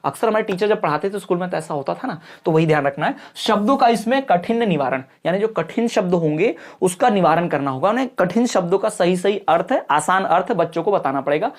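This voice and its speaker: A male teacher working through an exam-prep lesson in a relaxed, informal way. He explains each answer patiently, repeats the key terms and keeps checking that his students have understood. He calls his listeners "brother", like a friendly tutor. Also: high-pitched, fast talker, hardly any pauses.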